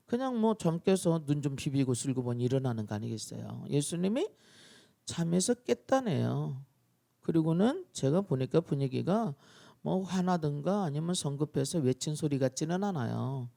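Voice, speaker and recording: A male pastor preaching a dawn-prayer sermon, telling the story in an animated way and acting out scenes. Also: fairly high pitch, vocal fry.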